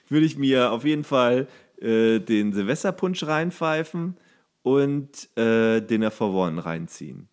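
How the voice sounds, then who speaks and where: A man's voice: medium pitch, lively intonation, takes it slowly. A man co-hosting a podcast in casual chat, joking and teasing, laughing at his own jokes. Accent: German. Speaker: podcast co-host.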